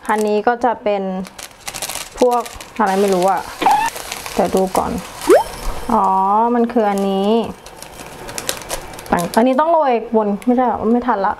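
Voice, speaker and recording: A woman's voice: a little high, steady tone, a little slow, long pauses. A young woman vlogging an eating challenge in a chatty, giggly way, with casual swearing. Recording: echoey room, distant mic, background noise.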